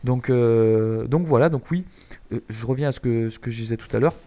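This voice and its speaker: Mellow-voiced French gamer man. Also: medium pitch, brisk. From France. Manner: chatty, explanatory, many filler "euh"s. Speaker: gaming YouTuber. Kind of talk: gameplay commentary.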